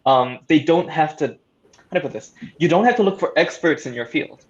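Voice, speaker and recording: Higher-voiced man, hesitant, slightly dull audio. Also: expressive, normal speed. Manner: hesitant, thoughtful, searching for words. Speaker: panelist, audio drama creator. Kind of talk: casual panel discussion.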